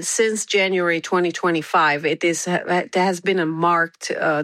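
A woman, an immigration attorney answering interview questions in a measured way, pausing often with fillers. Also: fairly low pitch, a bit bright, no echo. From Romania. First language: Romanian. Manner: measured, with frequent filler pauses.

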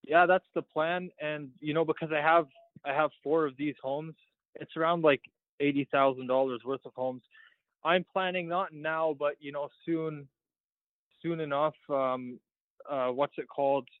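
A man's voice: on the high side, fairly even intonation, moderate pace, no room sound. Teenage man on a tinny phone line. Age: teens. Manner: eager, rambling explanations. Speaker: engineering student guest. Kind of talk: phone-in radio interview.

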